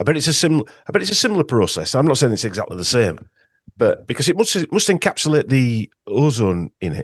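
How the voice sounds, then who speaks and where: In a Yorkshire accent, a man talks at a very fast pace with vocal fry and a fairly high pitch. His pitch swings very widely, and the sound is dry and close with no echo. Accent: Yorkshire northern. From Yorkshire, northern England. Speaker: podcast host and supplement seller. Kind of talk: interview conversation. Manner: halting.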